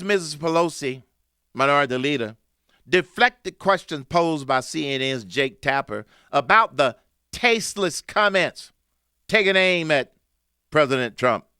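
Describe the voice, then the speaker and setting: A man hosting a talk show, giving opinionated news commentary in a folksy way that swings from loud emphasis to low asides. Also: big pitch swings, unhurried, clean tone, no room sound, studio quality.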